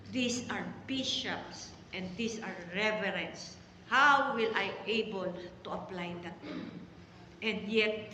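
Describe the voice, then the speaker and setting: A middle-aged Filipino woman pastor preaching a story-filled sermon, with sudden loud exclamations and drawn-out emphasis. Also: fairly high pitch. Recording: echoey hall reverb, faint background noise.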